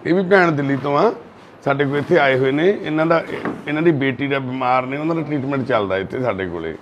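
A man doing social service on a live video, gently soothing a frightened girl and repeating his reassurances. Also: mid-range voice, quick pace, dull audio, a crowd in the background. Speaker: social worker helping a lost girl.

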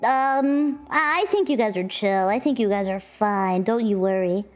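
A giggly, encouraging woman streamer co-hosting a show with excited casual banter. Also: medium pitch, normal speed. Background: music.

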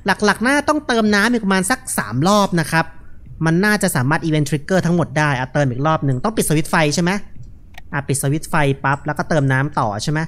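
A young man gives casual, joking horror game commentary, relaxed and unafraid, speaking into a headset mic. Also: a little high, quick pace. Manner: laid-back, joking, unafraid. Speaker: gaming video host.

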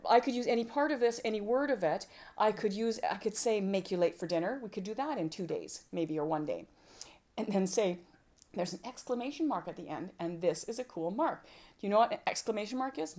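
A woman presenting an informal workshop on homeschooling, lively and fond of acting out little exchanges between a parent and a child. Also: mid-range voice. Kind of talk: informal teaching talk to a group.

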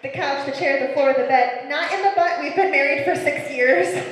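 High-voiced woman comic in an echoey club. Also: normal speed. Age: 30s. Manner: deadpan, self-mocking storytelling. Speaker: stand-up comedian. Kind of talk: stand-up comedy set. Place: comedy club stage. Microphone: handheld mic. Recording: echoey club room with long reverb.

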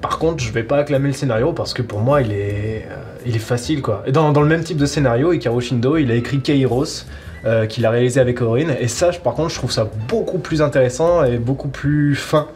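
A man's voice: medium pitch, a little fast, a little mellow. Young guy, mid-range voice, blunt chatty co-host review, faint music behind. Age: young adult. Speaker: co-host giving a counter-review. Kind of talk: casual, blunt opinion. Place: wood-panelled bar room, indoors.

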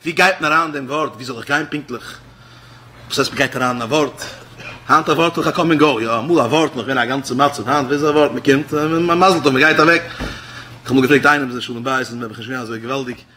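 A man, a rabbi with a Hasidic Yiddish accent, giving a sermon that swings between loud exclamations and low murmured asides. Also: fast talker, slight background noise.

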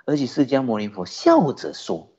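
Lively man preaching, husky, lo-fi. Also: mid-range voice, moderate pace. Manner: lively storytelling, rhetorical questions, chuckling. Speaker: Buddhist teacher. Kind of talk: sermon. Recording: dull lo-fi recording.

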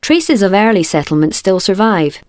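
A woman's voice: medium pitch, sing-song, normal speed, darkish tone, dry recording. A woman reading scripted narration as a voice actor in a studio. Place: professional recording studio.

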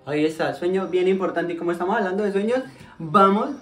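A man's voice: high voice, fast. A young man, hosting a chatty, joking house tour and interview inside a family home. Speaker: host. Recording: roomy indoor sound from a distance, light music behind.

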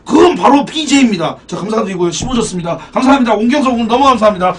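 A young man live-streaming a game, excitable and profane, thanking donors as he plays. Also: extremely high pitch, very fast, breathy edge. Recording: distant mic, background music.

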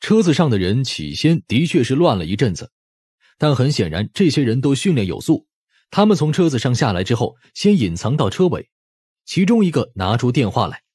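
A man's voice: medium pitch, big pitch swings, fairly quick, darkish tone, husky, no echo, clean studio sound. A man reading scripted audiobook narration in a dramatic storytelling style.

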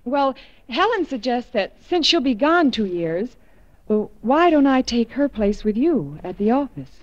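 An eager, persuasive woman in an old radio play. Her voice is fairly high, on a slightly dull vintage recording. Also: sing-song, a little slow, a little hiss or hum. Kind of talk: 1940s radio acting.

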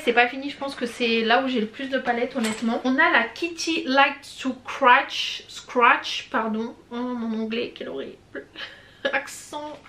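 Young female vlogger, slightly high voice, chatty and effusive, casual review tone. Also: fairly bright tone, a little hiss or hum. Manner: chatty and gushing, many hesitations and slang. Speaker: beauty vlogger. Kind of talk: casual product review chat.

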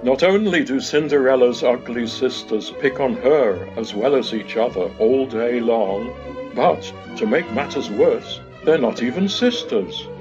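A man of medium pitch narrates a pantomime fairy tale wryly. His home video-call recording is slightly dull, with music clearly behind him. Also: expressive, a little slow. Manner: wry, storytelling. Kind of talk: scripted storybook pantomime narration.

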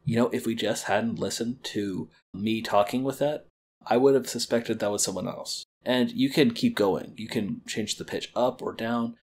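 A man with a slightly low, husky voice walks through a computer tutorial in a calm, explanatory way. He is recorded close on a good desk microphone. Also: moderate pace. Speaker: library educator. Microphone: quality desk microphone.

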